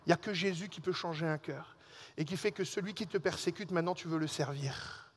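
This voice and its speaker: A man preaching a sermon as a pastor, telling a personal story in a lively way and speaking directly to the congregation. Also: a little high, fairly quick, in a large hall, a little hiss or hum. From Alsace and Réunion. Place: church hall.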